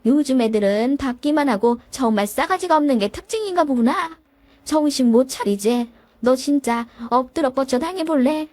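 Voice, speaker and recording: A woman's voice: high voice, moderate pace, darkish tone, no echo. A woman voicing a domineering older mother-in-law who nags and threatens in a storybook tale. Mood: furious.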